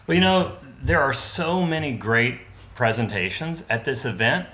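A man from the American Midwest chats as a podcast guest, telling stories in a loose, rambling way with easy jokes. His voice has a bright, forward edge. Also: medium pitch, normal speed. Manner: relaxed, joking, rambling storyteller. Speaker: podcast guest, business partner. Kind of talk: casual podcast chat.

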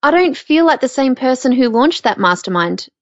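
A woman's voice: sits high, sing-song, moderate pace, dry recording, lo-fi sound. A woman co-hosting a podcast, with a frog in her throat, reflecting aloud with fillers. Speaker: podcast co-host. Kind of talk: casual podcast chat.

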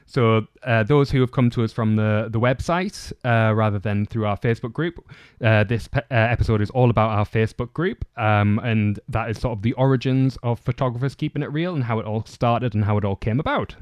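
A man with a soft, camp, slightly feminine voice, chatting casually as a podcast host. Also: medium pitch, a little fast, dry recording.

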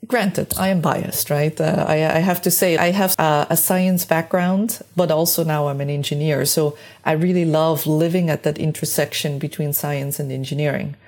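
A woman from Switzerland answers questions as a guest on an interview podcast. Her voice sits low and has a husky edge. She talks conversationally, reflecting as she goes and sounding enthusiastic. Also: fairly even intonation, normal speed, few pauses, a little mellow. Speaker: podcast guest, space mission engineer.

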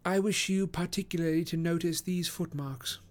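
A man voicing a brisk, commanding Victorian detective in an audiobook, crisp and directive as he gives instructions. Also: on the high side, fairly even intonation, pitched above the performer's own voice, lightly acted. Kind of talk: audiobook character voice.

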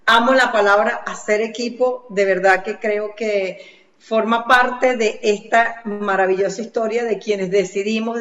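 A woman, a special education specialist, speaking as a guest in a lively, chatty way over a remote link. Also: medium pitch. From Venezuela. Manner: lively, chatty, quick to agree. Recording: roomy, dull remote line.

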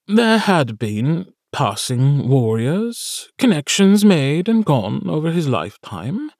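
A male narrator tells a fantasy story in a slow, unhurried cadence. His pitch rises and falls with the drama, and the sound is close and dry, with no room around it. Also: darkish tone, no echo. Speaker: audiobook narrator. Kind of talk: scripted audiobook narration.

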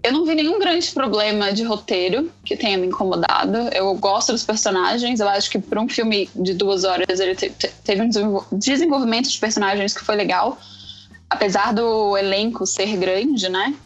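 A woman's voice: medium pitch, normal speed, dull audio. A woman with a Brazilian Portuguese accent, talking casually about film as a podcast panelist.

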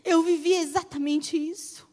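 Middle-aged Brazilian woman pastor, very high pitch, emphatic and repetitive sermon delivery. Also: fairly even intonation, moderate pace. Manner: emphatic preaching, repeats phrases, swings from loud to soft.

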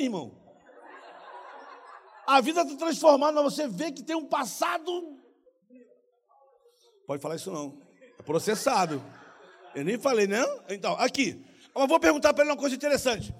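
A man preaching a lively sermon. He keeps calling his listeners "irmão", stages role-play with the crowd and breaks into shouts. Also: extremely high pitch, husky. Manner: animated, calls listeners "irmão", bursts into shouts.

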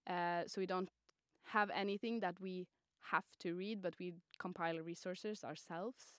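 A woman's voice: on the low side, steady tone, normal speed, smooth, dry recording, studio quality. A twenty-year-old woman from Norway, a student guest on a podcast, chatty and prone to restarting words. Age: 20s. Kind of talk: casual podcast interview.

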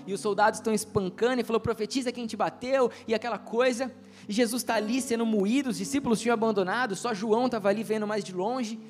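A man's voice: sits high, darkish tone. A young man preaching a casual sermon, telling personal stories and acting out the dialogue. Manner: storytelling, acts out dialogue, laughs at himself.

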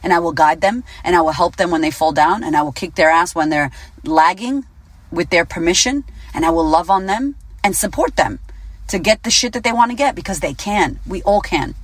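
A woman in her late thirties, a business coach giving a casual motivational talk, blunt and animated, swearing freely. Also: on the low side, fairly quick, no echo. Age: 30s. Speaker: business coach and podcast host.

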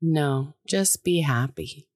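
Female podcast co-host, deep voice, blunt, casual chat, swears freely. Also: slow, darkish tone.

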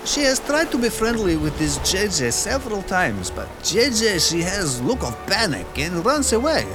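Man playing a bumbling henchman in a radio comedy, high lively voice, broken english, music behind. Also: normal speed. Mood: hesitant. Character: bumbling male henchman, gloomy and vain.

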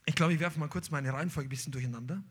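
Male pastor, husky, high-pitched voice, emphatic sermon delivery. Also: very fast. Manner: animated, emphatic preaching with sudden loud peaks.

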